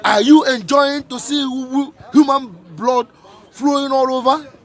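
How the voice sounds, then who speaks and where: A man's voice: extremely high pitch, steady tone, unhurried. A man giving an impassioned protest speech outdoors, repeating his points with emphatic rhetorical questions. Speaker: protest speaker.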